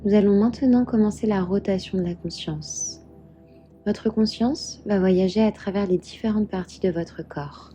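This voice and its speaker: A woman guiding a meditation as a yoga instructor, calm and soothing, giving measured instructions. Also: mid-range voice. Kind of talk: guided meditation narration. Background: soft background music.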